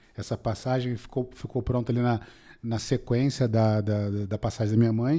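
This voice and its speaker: A man with a Rio de Janeiro accent, medium-pitched with a dark, mellow tone, at a moderate pace, in a very clean recording with a silent background. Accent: carioca. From Rio de Janeiro, Brazil. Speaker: entrepreneur and speaker. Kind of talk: interview.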